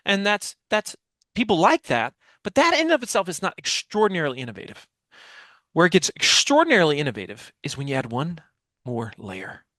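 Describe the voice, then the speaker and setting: A man's voice: fairly high pitch, huge pitch swings, a little fast, sharp tone, no room sound, clean studio sound. An American man in his forties giving an explanatory interview answer as a guest speaker, emphatic, using repetition and rhetorical questions, on a headset microphone. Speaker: podcast guest, author and business speaker. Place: small dim home office, video call.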